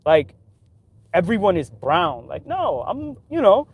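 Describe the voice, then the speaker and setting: A man's voice: high voice, very animated, slow pace, slightly rough, dry recording, phone-quality sound. Chatty New guy, street talk. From New York City. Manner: loose street talk full of "like", "yo" and "right?". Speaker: livestreamer. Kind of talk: casual opinionated monologue.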